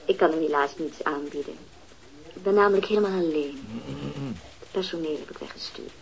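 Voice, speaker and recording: A guarded wealthy widow, measured and evasive, radio drama. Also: female voice, low voice, muffled recording. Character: guarded wealthy widow, middle-aged woman.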